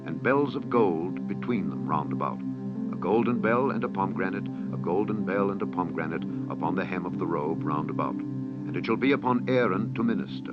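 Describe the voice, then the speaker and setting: A man narrating scripture as an audiobook, in a solemn, measured, formal and declamatory style. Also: on the low side. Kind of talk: solemn scripted Bible reading. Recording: dull lo-fi audio with music behind. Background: clear background music.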